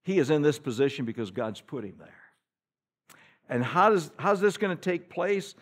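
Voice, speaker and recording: A preaching man with a fairly high voice that leaps all over its range. He fires rhetorical questions at the congregation and reads scripture in old-style wording. His volume swings from hushed pleading to loud declaration. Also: animated, moderate pace. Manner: reads scripture aloud in King James wording. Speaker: pastor. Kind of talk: sermon. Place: church sanctuary.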